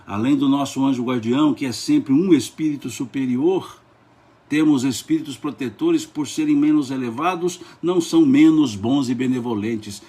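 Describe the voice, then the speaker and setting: A man with a Brazilian Portuguese accent leading a Spiritist study lesson, hoarse since vocal cord surgery, moving between quiet asides and raised, enthusiastic reading of the text. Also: medium pitch, normal speed.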